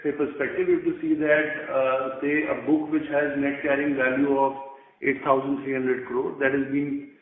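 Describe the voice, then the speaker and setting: An executive with an Indian accent explains things on a conference call. He is a man with a mid-pitched voice and measured, deliberate phrasing. The line is thin and telephone-like, with a clear room echo. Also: level tone. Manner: measured, deliberate, frequent "say" as filler. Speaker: company executive. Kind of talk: explanatory answers on an earnings call. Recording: roomy, tinny conference phone line.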